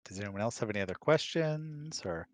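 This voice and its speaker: A man's voice: lowish voice, expressive, a little fast, no echo. A laconic, teasing man chatting casually as co-host of a hangout, in short replies. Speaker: co-host, the host's husband. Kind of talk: casual chat.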